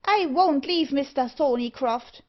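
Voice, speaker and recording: A woman voicing a small, brisk, cocky old male dwarf in a storybook. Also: high voice, very animated, pitched above the performer's own voice. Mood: alarmed, resolute. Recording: dull, lo-fi audio.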